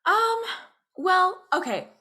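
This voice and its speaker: A woman's voice: very high voice, big pitch swings, slow pace, bright, forceful tone. A young woman chatting casually as a guest, hesitant and self-deprecating. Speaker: playwright, roundtable guest. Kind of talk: casual chat.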